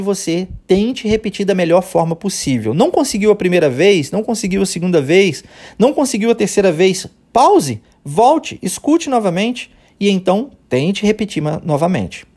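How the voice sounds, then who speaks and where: Animated Brazilian English teacher. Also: male voice, sits high. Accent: Brazilian Portuguese. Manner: animated, drills English phrases slowly and repeats them. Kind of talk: podcast English lesson.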